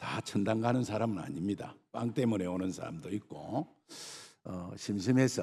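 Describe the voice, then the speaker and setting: A man speaks with a strong Gyeongsang accent. His pitch is fairly low and his pace fairly slow. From Gyeongsang province, Korea. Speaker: visiting pastor, prison ministry. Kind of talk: sermon. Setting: church.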